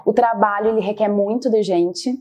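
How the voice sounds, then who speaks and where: A woman's voice: medium pitch, fairly even intonation, normal speed, mellow, highs cut off. A middle-aged woman with a southern Brazilian accent, talking conversationally about her own experience as an interview guest. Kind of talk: conversational personal testimony.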